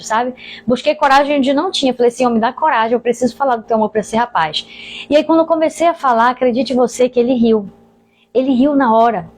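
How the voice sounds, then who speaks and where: A woman pastor with a Brazilian Portuguese accent, sharing an earnest preaching testimony and speaking directly to her listeners. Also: on the high side.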